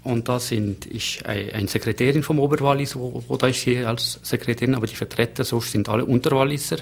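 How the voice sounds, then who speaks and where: A middle-aged man whose first language is French, speaking as a hotelier guest in a radio studio and telling stories with lively emphasis. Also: medium pitch, a little fast, vocal fry. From Geneva, Switzerland. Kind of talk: radio interview.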